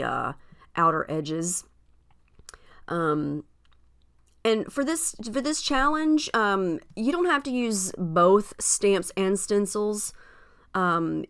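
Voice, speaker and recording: Talking viewers through a crafting project, this scrapbooking host sounds relaxed and friendly, saying um often. Beneath a faint post-illness scratchiness, her voice is smooth and fairly low.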